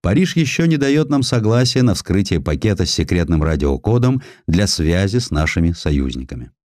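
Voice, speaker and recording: A man's voice: sits low, big pitch swings, normal speed, a little mellow, dry recording, clean studio sound. A man voicing a dutiful French naval officer in an audiobook, reporting formally and emphatically to his admiral. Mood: apologetic, formal. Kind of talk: audiobook character acting.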